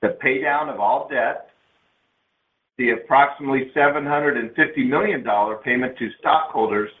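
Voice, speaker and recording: A man speaking as a company executive, reading scripted corporate remarks in a formal, measured way on a conference call. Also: medium pitch. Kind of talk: scripted corporate presentation, read aloud. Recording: narrow phone-line sound, roomy echo.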